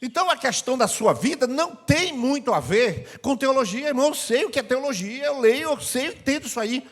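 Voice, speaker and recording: Older man, Brazilian accent, high-pitched pastor, conversational sermon, reverberant church hall. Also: expressive, a little fast, fairly bright tone. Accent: Brazilian Portuguese. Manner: conversational preaching, repeating phrases for emphasis.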